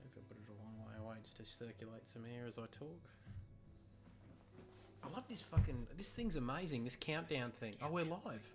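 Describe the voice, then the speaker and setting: A man hosting a live stream, loud and chatty, swearing freely. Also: expressive, a little fast, over music. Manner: loud, swears, booming greetings. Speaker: stream host. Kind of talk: casual live stream banter.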